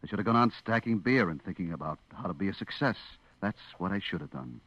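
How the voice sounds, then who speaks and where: Slangy radio suspense narrator, wide-swinging pitch. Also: male voice, expressive, quick pace. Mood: smitten, hushed. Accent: American. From eastern United States. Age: young adult. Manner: slangy, confiding storytelling. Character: brash, lovestruck young male supermarket clerk narrating his downfall. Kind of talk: 1950s radio suspense acting, first-person narration. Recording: dull vintage radio recording with music.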